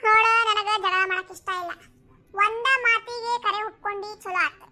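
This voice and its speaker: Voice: very high voice, fairly even intonation, normal speed, bright, forceful tone, full character voice. A voice actor playing a firm village woman in a cartoon comedy who presses a neighbour with questions, speaking with a North Karnataka accent. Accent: North Karnataka Kannada.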